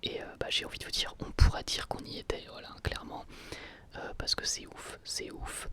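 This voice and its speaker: A man giving an ASMR review in a breathy, voiceless whisper, enthusiastic, often repeating words as he searches for phrasing. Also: normal speed, bright, forceful tone. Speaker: ASMR video creator reviewing anime.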